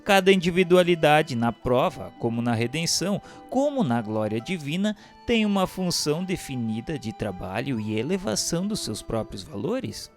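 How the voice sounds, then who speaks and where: Expressive man narrating solemnly. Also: fairly high pitch. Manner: oratorical, formal, measured. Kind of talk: solemn scripted narration of a spiritual text. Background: music.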